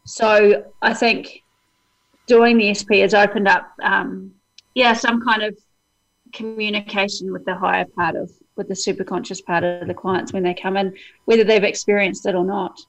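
A woman's voice: medium pitch, steady tone, moderate pace, poor audio. A woman with a New Zealand accent, guest on an interview, telling a story earnestly with many hesitations. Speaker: hypnotist guest.

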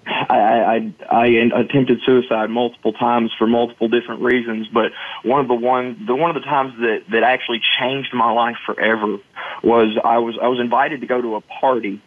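A man with a Southern US accent tells his own story over a thin, phone-like connection. His pitch sits in the ordinary male range and the sound is dry. He comes across as folksy and earnest, speaking as a guest in an interview. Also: little pitch movement, moderate pace, dry recording. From Arkansas, United States. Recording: muffled phone-like line, dry.

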